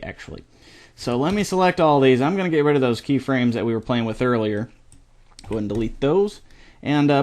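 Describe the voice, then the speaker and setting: A middle-aged man hosting a screen-recorded software tutorial, talking casually with lots of fillers and restarts. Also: mid-range voice.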